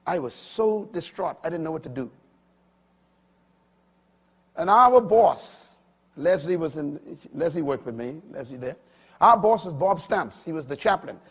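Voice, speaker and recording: An older man preaching a sermon, swinging from loud emphatic peaks to quiet low asides. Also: lively intonation, unhurried, long pauses, slightly rough.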